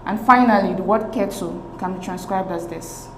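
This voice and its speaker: A woman's voice: mid-range voice, moderate pace, slight background noise. Woman teaching an exam lesson in an echoey room. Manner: steady, explanatory, reads questions aloud then walks through options. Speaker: teacher and channel host.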